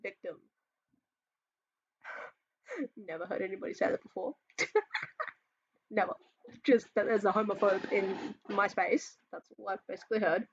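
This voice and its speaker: Reacting to memes as a video host, this Australian trans man has a high, feminine-sounding voice and takes his time, leaving long pauses. The audio is dull with background noise, and he rambles and swears a lot in a casual rant, sighing and laughing along the way.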